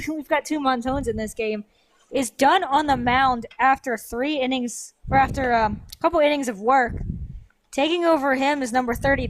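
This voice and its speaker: A woman's voice: high voice, slight background noise, rough recording. A woman giving conversational analysis as a co-commentator on a live baseball game. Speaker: sports co-commentator.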